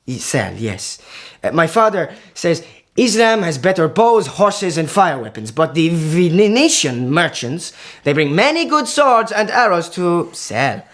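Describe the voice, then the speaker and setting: An actor playing an eager, proud young Muslim nobleman's son in a historical radio drama, husky, with formal, halting learner's speech. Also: a little high, big pitch swings, a bit bright. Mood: earnest.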